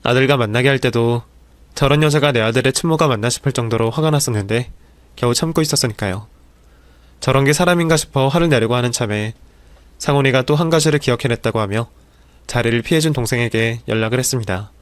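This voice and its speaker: Guy reading out a story narration, steady, mid pitch, dry close sound. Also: fast, no echo.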